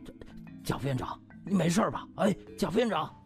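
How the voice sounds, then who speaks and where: A man's voice: a little high, animated, brisk, creaky, faint music behind. Man playing a sly, two-faced doctor. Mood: feigned concern. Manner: exaggerated, repetitive pleading. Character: sly male doctors feigning concern, gleefully two-faced.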